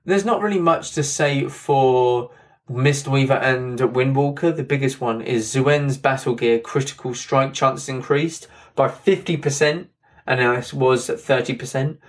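Man with a drying, slightly hoarse voice. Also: mid-range voice, measured pace. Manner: rambling, repeats "that kind of thing", fillers. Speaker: game content creator. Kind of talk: casual patch-notes commentary.

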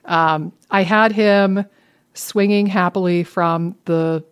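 A woman's voice: on the low side, steady tone, takes it slowly, smooth. A woman co-hosting a podcast, chatting casually in a playful way with dramatic asides. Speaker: podcast co-host. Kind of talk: casual chat. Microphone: webcam setup.

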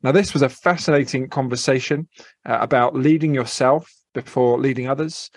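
A man's voice: mid-range voice, moderate pace, dry recording. A man hosting a podcast interview, friendly and a little hesitant, with many fillers and restarts. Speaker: podcast host.

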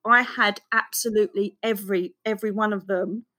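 A middle-aged woman recounts hard personal experiences as a podcast guest. She talks candidly and expressively, tumbling from one thought to the next. Her voice sits at an ordinary pitch for a woman. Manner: emotional, expressive, fast-running storytelling. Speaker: guest author. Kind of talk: candid personal storytelling in an interview.

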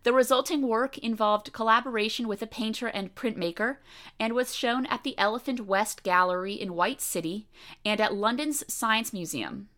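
A woman's voice: on the high side, normal speed, fairly bright tone. A woman with an American accent hosting a podcast, reading a guest's biography and then opening a video-call interview in an eager, upbeat way. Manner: upbeat, eager, reads bio aloud. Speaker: podcast host. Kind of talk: podcast interview with scripted intro.

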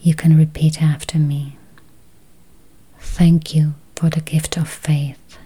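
Very slow, whispery woman guiding meditation. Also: low-pitched, flat delivery, warm tone, rough recording. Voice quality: breathy, whispery. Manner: slow, soothing, long pauses. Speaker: guided meditation host. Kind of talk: guided meditation, slow affirmations.

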